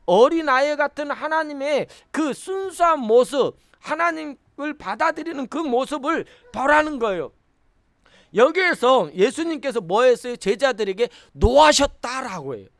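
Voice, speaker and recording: A woman's voice: high-pitched, animated, normal speed, dry recording, clean studio sound. A woman pastor preaching a sermon in a small church, emphatic and repetitive, asking the congregation questions and answering them herself.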